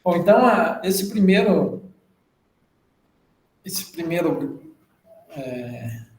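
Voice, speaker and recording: A man's voice: fairly high pitch, expressive, drawn-out words, slight background noise. A man with a Brazilian Portuguese accent presenting a journal club, explaining at length and often adding tag questions. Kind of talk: academic presentation. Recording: roomy echo.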